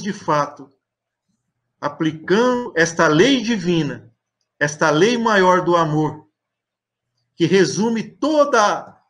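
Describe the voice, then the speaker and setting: A middle-aged Brazilian man shares a reflective religious testimony on a video call. His voice sits high for a man, and he speaks very slowly. He is earnest and deliberate, pausing often between short phrases. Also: a bit bright. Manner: earnest, deliberate, with frequent pauses. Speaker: guest speaker at a spiritist talk. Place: indoor room at home, on a video call.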